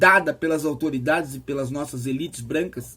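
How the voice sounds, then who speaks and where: A man speaks in an animated tone. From interior of São Paulo state, Brazil. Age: 60s. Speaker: philosophy professor and political commentator. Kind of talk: political commentary monologue.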